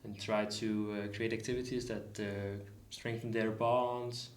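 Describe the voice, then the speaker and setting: A man's voice: lowish voice, level tone, measured pace. A man of twenty, a volunteer guest on a podcast, rambling with many fillers. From Denmark. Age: 20s. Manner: rambling with "uh" and "like", restarts. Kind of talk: casual podcast chat. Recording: echoey room.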